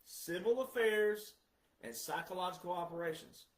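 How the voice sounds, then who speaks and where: Male commentator, high register, roomy echo; emphatic, repeats key words for stress. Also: moderate pace, a bit bright. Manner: emphatic, asks rhetorical questions then answers them. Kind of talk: monologue commentary.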